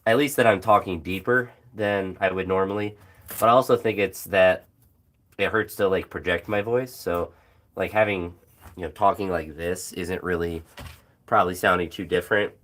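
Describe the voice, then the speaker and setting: A young man, a phys ed teacher, chatting casually about his training with a hoarse, phlegmy throat and many fillers and pauses. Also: sits low, steady tone, fairly bright tone. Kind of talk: casual vlog chat while training.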